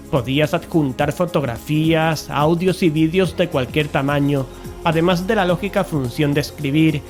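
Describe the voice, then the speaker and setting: A man's voice: on the high side, natural voice. An actor from playing a serious, technology-naive investigator who narrates his own story in an audio drama. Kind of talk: audio drama dialogue and first-person narration. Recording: music bed behind the voice.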